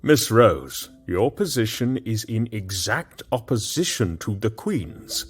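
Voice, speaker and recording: A flustered, husky baron. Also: male voice, fairly low pitch, sing-song, soft background music, heavily acted. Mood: flustered concerned. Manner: halting, stammering, then gently reassuring. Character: flustered middle-aged male baron, kindly advisor. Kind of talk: audio drama acting.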